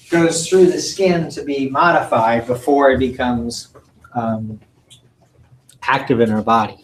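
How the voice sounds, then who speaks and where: A man giving a recorded lecture from slides, halting often with ums and uhs and clearing his throat. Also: medium pitch, low-quality recording. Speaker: college lecturer.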